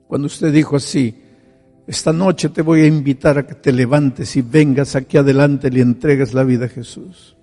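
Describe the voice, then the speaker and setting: A man's voice: on the high side, close to an everyday voice. A man voicing a reformed alcoholic who pleads with rising emotion, in an echoey hall with faint music. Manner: impassioned, rising to near-shouts.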